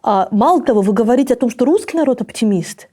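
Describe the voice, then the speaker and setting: A woman's voice: a little high, lively intonation, quick pace, mellow. A woman hosting an interview who asks direct, curious questions in a conversational tone. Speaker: interview host.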